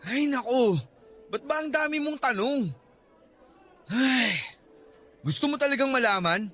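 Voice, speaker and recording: A man's voice: very high voice, lively intonation, measured pace, pushed and bright, faint music behind, full character voice. A young man acting an irritable, defensive student boyfriend in a radio drama, exasperated, insistent and pleading. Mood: irritated.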